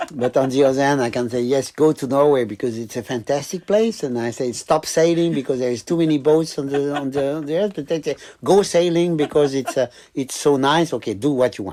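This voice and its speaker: A man talks at a fairly quick pace with a fairly high pitch. His tone is dark and mellow, with ordinary pitch variation. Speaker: sailboat skipper. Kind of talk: casual chat. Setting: on a moored sailboat. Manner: halting, many repetitions.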